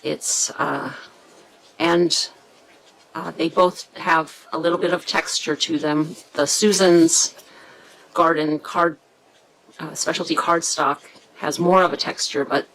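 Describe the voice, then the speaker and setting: A woman hosting a casual craft tutorial, chatty and hesitant, often pausing to search for words. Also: low voice, steady tone, gravelly, fairly bright tone, a little hiss or hum, low-quality recording. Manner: chatty, self-deprecating about pronunciation.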